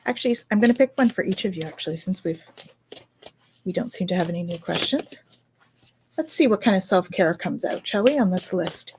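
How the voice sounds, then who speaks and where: A woman's voice: fairly low pitch, darkish tone, a little hiss or hum. A woman, a spiritual medium reading cards, talks in a casual podcast chat, reassuring and checking in with "okay?". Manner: chatty, reassuring, lots of "okay?". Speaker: spiritual medium and card reader.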